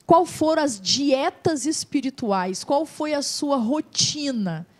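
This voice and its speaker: A middle-aged woman with a Brazilian accent, a missionary co-hosting a gospel TV interview. She talks in an emotive, preacherly way and draws key words out slowly. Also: sits high, lively intonation. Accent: Brazilian Portuguese. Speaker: missionary and co-host interviewing a pastor.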